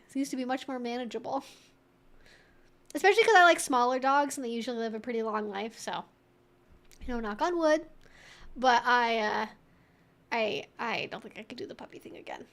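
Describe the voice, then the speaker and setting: High-voiced woman chatting on a livestream. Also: fairly bright tone. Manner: conversational, wry, reacting aloud to chat messages. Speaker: livestream host answering viewer chat. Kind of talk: casual livestream chat.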